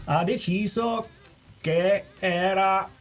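A man improvising in casual comic chat as a guest, halting as he searches for words. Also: sits high, over music. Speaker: guest in a comic film quiz.

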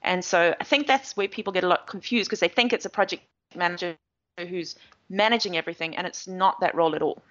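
A woman's voice: lowish voice, fast talker, a bit bright. A woman with a South African accent, an agile coach giving long, chatty interview answers with plenty of fillers. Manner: chatty, explanatory, many fillers. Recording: slightly dull audio.

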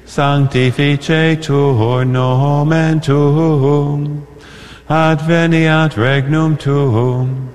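A man's voice: a little high, flat delivery, drawn-out words, a little mellow. A man serving as priest at Mass, solemnly intoning and reciting the liturgy, heard with a cathedral echo. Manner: solemn intoning, alternating spoken and sung prayer. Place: large church. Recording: long cathedral reverb with faint music.

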